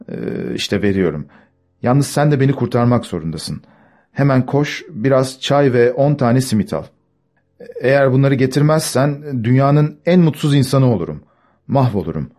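A man reading an audiobook, voicing a bitter, anxious poor man who shouts at his servant and stammers when flustered. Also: mid-range voice, close to an everyday voice.

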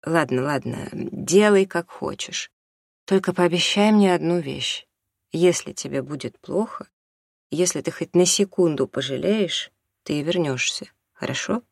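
A reader voicing a patient husband who speaks softly and low, holding back hurt. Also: unhurried, creaky, no echo, clean studio sound. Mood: calming. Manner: soft, low, restrained, calming. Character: quiet patient middle-aged husband and father.

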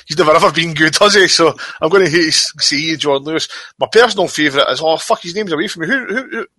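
A man's voice: on the high side, fast, bright, forceful tone, dry recording. A man co-hosting a boxing podcast, sweary and emphatic about referees. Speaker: podcast co-host. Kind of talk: casual boxing chat.

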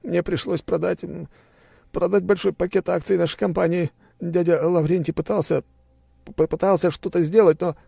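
A high, gravelly young man's voice, tearful and stammering, as a desperate son. The tone is dark and husky, recorded dry and close. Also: fairly even intonation, normal speed, dry recording, full character voice. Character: young adult man, distraught sobbing son. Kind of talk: audiobook character voice.

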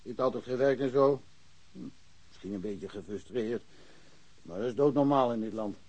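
A man's voice: mid-range voice, normal speed, a little mellow, no echo, lightly acted, poor audio. An actor playing a chatty, wry small-town policeman in a naturalistic radio crime drama, rambling along with dry humour. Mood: matter-of-fact. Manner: rambling, dryly humorous. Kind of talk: naturalistic radio play dialogue.

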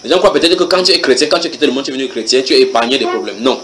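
A man preaching a church sermon, animated, with many rhetorical questions, swinging from loud bursts to quiet asides. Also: mid-range voice, very fast, slight background noise.

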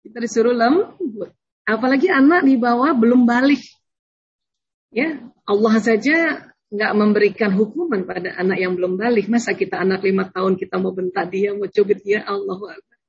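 Husky-voiced woman giving a lively religious talk. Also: mid-range voice, moderate pace, lo-fi sound. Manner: lively, laughs often, acts out prayers and children. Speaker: speaker on Islamic parenting. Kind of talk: religious talk with audience questions.

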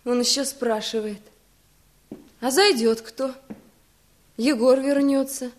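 Slow, anxious village wife. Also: female voice, high voice, steady tone. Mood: alarmed. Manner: pleading, anxious. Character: anxious married village woman, pitying but firm. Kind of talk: radio drama acting.

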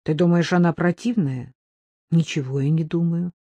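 A woman voicing a gentle, somewhat anxious young mother in an audiobook. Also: fairly low pitch, steady tone, moderate pace, dry recording. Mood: motherly.

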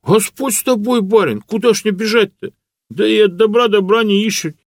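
A timid young serf with a high, straining voice and plain peasant speech, as a man reads him in an audiobook. He pleads and marvels at everything. The recording is dry and close. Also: moderate pace, no echo. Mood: imploring. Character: simple-hearted young male serf, timid and grateful. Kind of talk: audiobook character voice.

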